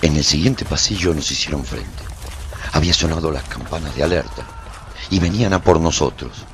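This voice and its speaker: A man's voice: very deep voice, normal speed, a little hiss or hum. An actor playing a haunted warrior who narrates his post-apocalyptic story in a solemn, theatrical, intense way for a radio drama. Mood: solemn, brooding. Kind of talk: dramatic first-person scripted narration.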